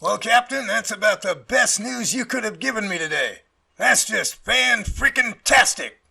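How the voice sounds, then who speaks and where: An actor playing a genial, polite research professor in an audio drama, with a raspy voice and hearty, emphatic delivery. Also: male voice, sits high, lively intonation, a little slow, bright, forceful tone, full character voice. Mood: delighted, grateful.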